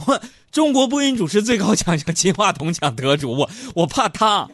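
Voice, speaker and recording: Animated Northeastern Chinese man joking. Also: normal speed, dry recording, clean studio sound. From Northeast China. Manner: jokey, playful teasing, sudden jumps into high mock voices. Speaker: host. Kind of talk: comic storytelling monologue.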